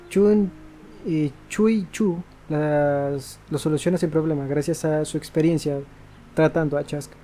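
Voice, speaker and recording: A man's voice: on the high side, mellow. A man giving casual let's-play commentary as a gaming YouTuber, a native Spanish speaker.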